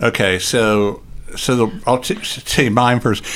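Speaking with a Southern US accent, a man talks at medium pitch and a moderate pace. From Tennessee, Chattanooga. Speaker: MRI safety consultant. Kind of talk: casual interview.

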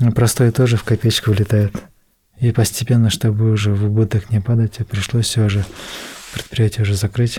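Dark, mellow and somewhat breathy, a man speaks in a flat monotone with long, frequent pauses. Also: medium pitch for a man, moderate pace, very even loudness. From Kyrgyzstan, Bishkek. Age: 30s. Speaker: courier. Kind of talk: interview testimony. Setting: studio.

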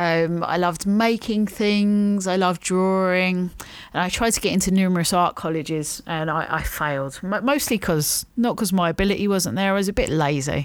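A woman with a strong London accent speaks at a moderate pace with ordinary pitch variation on a very clean recording with a silent background. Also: medium pitch for a woman, very even loudness. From London area, southern England. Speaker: podcast host, crane operator. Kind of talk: solo personal monologue. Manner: halting, with fillers.

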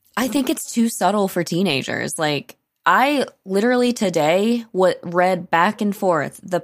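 This woman has a normal speaking voice and talks at a fairly slow pace. Her pitch varies in an ordinary way. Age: 30s. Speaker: podcast co-host discussing books. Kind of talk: casual chat.

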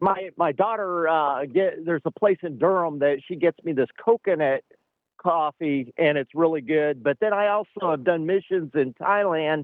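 In a dry, close recording with no echo, a man with a fairly high voice speaks at a moderate pace with ordinary pitch variation.

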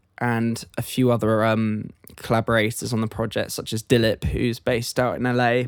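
A man with a normal speaking voice at a medium pitch speaks at a fairly slow pace in a dry, close sound with no echo, on a very clean recording with a silent background. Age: 20s. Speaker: singer-songwriter and producer. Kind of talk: casual chat.

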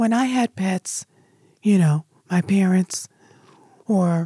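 A woman speaks at a medium pitch with ordinary variation, somewhat breathy and dark, mellow in tone. The sound is dry and close, with no echo. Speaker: radio host. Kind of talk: casual chat. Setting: studio. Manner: animated.

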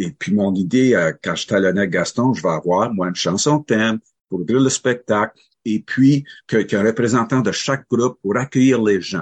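A man talks at a moderate pace in a plain, everyday voice, pitched fairly low with ordinary variation. The sound is dry and close, with no echo. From Northern Ontario, Sudbury area. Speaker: festival spokesperson. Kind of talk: interview.

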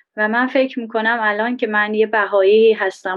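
A woman's medium-pitched voice moves at a moderate pace. Hers is an unremarkable speaking voice with fairly even intonation. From Iran. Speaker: painter. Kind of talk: interview.

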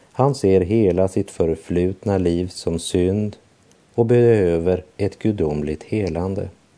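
A man talks very slowly in a very deep, low pitch. His tone is dark and mellow, with ordinary pitch variation. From northern Sweden (Västerbotten). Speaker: radio Bible teacher. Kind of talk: radio Bible teaching.

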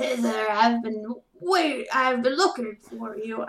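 Using a put-on character voice, a woman speaks at a very slow pace and a fairly high pitch.

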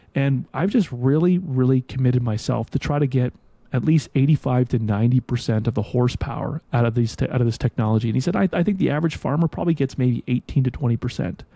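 A man with a Canadian accent talks very fast with hardly any pauses, at a medium pitch with ordinary pitch variation and very even loudness. His somewhat breathy voice has a dark, mellow tone in a dry, close sound with no echo. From Saskatchewan, Canada. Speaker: business executive and keynote speaker. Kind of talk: interview. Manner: halting, many repetitions and fillers.

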